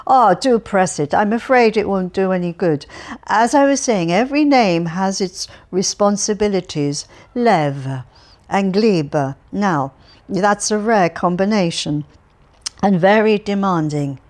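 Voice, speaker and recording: A woman's voice: medium pitch, a little slow, darkish tone, close to an everyday voice. A woman reading an audiobook, voicing a cheerful, chatty elderly man who rambles and stumbles over his words. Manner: rambling, stumbling, relentlessly upbeat.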